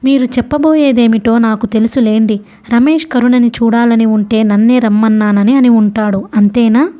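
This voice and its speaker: A woman reading the part of a grieving mother who talks in a hurried rush, half angry and half dejected. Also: fairly high pitch, steady tone, warm tone, close to an everyday voice. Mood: bitter, hurt. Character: grieving bitter mother, middle-aged woman.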